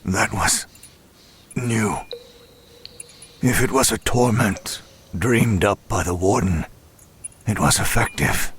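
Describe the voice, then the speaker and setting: Deep, weary, tormented demon narrator. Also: male voice, fairly bright tone, slight background noise. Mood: wary, stunned. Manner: grave, measured, halting, dramatic. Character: broken, weary male demon, tormented and self-loathing. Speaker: first-person narrator. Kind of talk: scripted horror audio drama narration.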